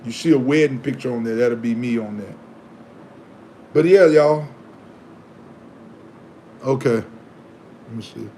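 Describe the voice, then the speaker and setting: A man hosting a live stream, chatting casually and preaching, animated and given to repeating himself. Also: medium pitch, unhurried, long pauses, slight background noise. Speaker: livestream host.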